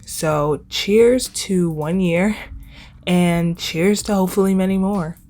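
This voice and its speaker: A woman's voice: lowish voice, takes it slowly, dark tone. A twenty-year-old woman hosting a casual solo podcast, talking in a chatty, informal way and repeating words for emphasis. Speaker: podcast host.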